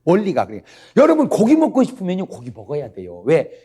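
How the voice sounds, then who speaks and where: Man, pastor, humorous revival sermon, raspy voice, very animated pitch, questions the crowd. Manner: jokey, keeps prodding the congregation with quick questions; swings between low asides and loud exclaims.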